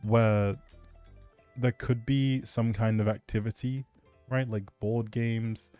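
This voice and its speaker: This gaming streamer's voice is lowish, mellow and clean, with a steady tone and an unhurried pace. Chatting with viewers, he rambles, hesitates and often drifts off mid-thought, while music plays behind him.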